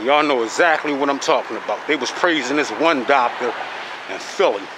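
A man speaks at a moderate pace, the sound dry with no echo and noticeable background noise present. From Chester, Pennsylvania, US. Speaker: YouTube commentator. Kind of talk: angry profanity-laced rant at a commenter, then political street commentary. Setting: outdoors in an alley. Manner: heated, cursing, stammering repetitions when fired up; confrontational, mocking street talk with rhetorical questions. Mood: angry, ranting. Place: street. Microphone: phone near.

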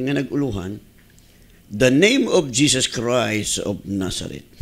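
Vocal fry marks a man's medium-pitched voice as he talks at a fairly slow pace amid audible room echo. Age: 50s. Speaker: pastor. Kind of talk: radio sermon. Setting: radio studio. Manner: animated.

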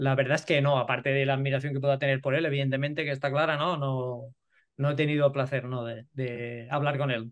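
Against a quiet background, a man with a fairly high pitch speaks fairly quickly in a monotone, flat intonation. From Catalonia, Spain. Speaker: football coach. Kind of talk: interview. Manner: halting, with many repetitions. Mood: calm, reflective. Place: home room. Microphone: video call.

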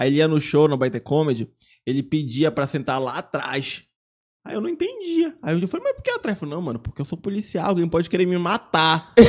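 A man at a fairly quick pace with ordinary pitch variation and a quiet background. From Pará, Brazil (Abaetetuba); Pará, Brazil. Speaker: podcast host. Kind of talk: casual chat. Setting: studio. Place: studio. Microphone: studio mic.

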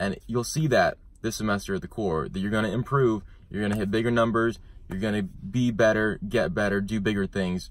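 Energetic male voice, fairly low pitch, ordinary pitch variation, fairly quick pace, dry sound with no echo. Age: 20s. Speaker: client concierge for a coaching program. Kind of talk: direct-to-camera update video. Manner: casual, energetic. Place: car. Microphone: phone near.

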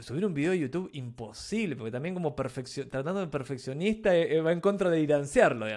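Against a quiet background, a man speaks at a fairly quick pace with lively intonation and a fairly high pitch. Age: 40s. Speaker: marketing expert and YouTuber; YouTuber. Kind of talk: casual interview. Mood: relaxed, friendly. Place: home room. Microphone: studio mic.

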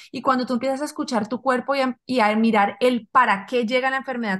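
A woman talks very fast at a fairly high pitch. The background is quiet. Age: 30s. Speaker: health coach and author; health coach. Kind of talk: interview. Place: home room. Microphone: video call.

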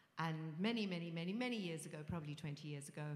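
A woman talks at a fairly quick pace in a fairly low, somewhat breathy voice. The room echo is audible. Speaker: event host. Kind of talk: event introduction speech. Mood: warm, humorous. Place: hall. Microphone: podium.

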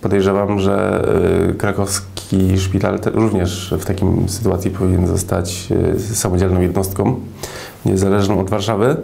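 A man's very deep, low voice moves at a fairly slow pace, its intonation monotone and flat. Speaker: sociologist commentator. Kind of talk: casual chat. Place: studio.

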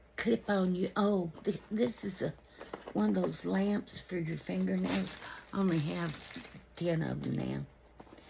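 With a Southern US accent, a woman speaks at a fairly slow pace. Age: 70s. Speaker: YouTuber. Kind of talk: haul video. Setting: at home. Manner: casual chatty.

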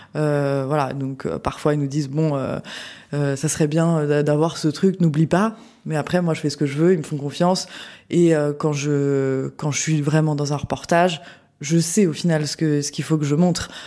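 Very deep and low-pitched, this woman's voice has a dark, mellow tone. She speaks at a moderate pace with fairly even intonation. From France, Paris. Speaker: photographer. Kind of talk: casual interview. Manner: hesitant, many fillers.

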